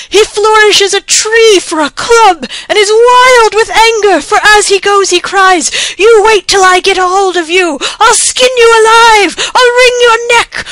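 A woman's voice: very high-pitched, pushed and bright, no room sound, voice pushed up, rough recording. A woman voicing a panicked male messenger who pants out an urgent warning. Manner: panting, urgent.

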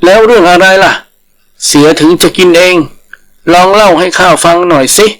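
A man's voice: high voice, moderate pace, fairly bright tone, voice pushed up, rough recording. A man voicing a small, curious, clever rabbit with a confident, inquisitive manner in a folktale. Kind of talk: animal folktale storytelling.

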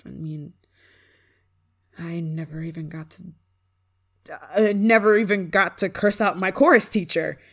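Casting: actress as proud young female singer for ASMR roleplay, slightly low voice, dismissive, flusters easily, secretly soft. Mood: flustered, softened. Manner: tsundere: bragging and dismissive, flustered stammering when touched. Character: haughty young female pop star, prickly but secretly soft. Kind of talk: ASMR roleplay acting, one-sided dialogue.

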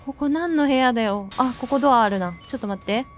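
A woman's voice: high voice, quick pace. A woman playing a horror game and commenting as she goes, jittery and jokey, who bursts into frightened shrieks. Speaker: let's play gamer. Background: faint game music.

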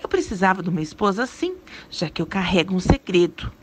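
A woman's voice: lowish voice, sing-song, fast talker, a little hiss or hum. A woman reading a story aloud and voicing a teasing rural husband in folksy, laughing tones. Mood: earnest. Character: teasing rural husband, grown man, amused. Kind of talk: dramatic storytelling.

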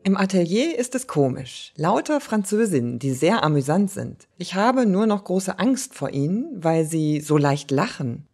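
A woman giving a lively, wry reading of old letters and diary entries. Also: lowish voice, normal speed, few pauses, husky, soft background music. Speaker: reader.

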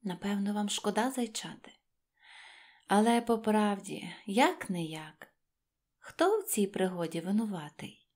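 A woman storyteller narrating a rhymed children's tale in an expressive style. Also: mid-range voice, measured pace. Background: faint music.

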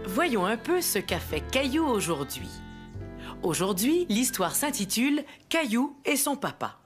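A woman's voice: fairly high pitch, very animated, measured pace, music in the background. A woman voicing a kindly grandmother narrating a children's cartoon like a storybook. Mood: engaging.

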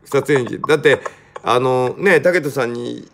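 A man hosting a casual live-stream chat, teasing his guest and pushing him in rough, informal speech. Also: mid-range voice, unhurried. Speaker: show host.

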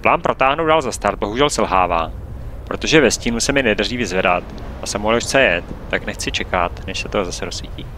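A man calmly narrating his own flight video in a steady, matter-of-fact voice-over. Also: on the low side, slight background noise. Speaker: paraglider pilot and vlogger.

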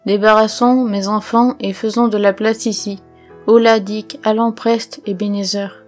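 A woman's voice: mid-range voice, little pitch movement, unhurried, soft background music, natural voice. A woman reading the part of a jovial old merchant who calls out cheerfully to his apprentices. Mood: jolly.

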